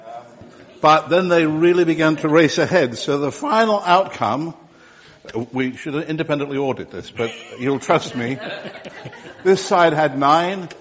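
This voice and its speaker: A man's voice: on the high side, measured pace, long pauses. A man helping lead a church service, speaking in a light, lightly joking way, his voice ringing in a long churchlike reverb. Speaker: church service leader and quiz scorekeeper.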